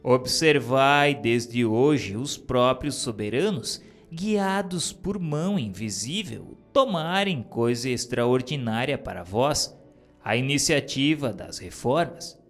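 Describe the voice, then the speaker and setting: This reader has a medium-pitched voice with lively intonation and speaks slowly while soft music plays. He presents a spiritist text in a solemn, formal manner, now and then tripping over a word.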